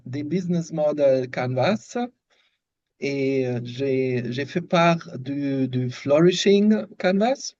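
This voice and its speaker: A man's voice: fairly high pitch, a little mellow, dull audio. A German-accented man speaking in a second language on a video call, thoughtful and searching for words. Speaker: workshop participant, systemic design researcher. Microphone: video call microphone.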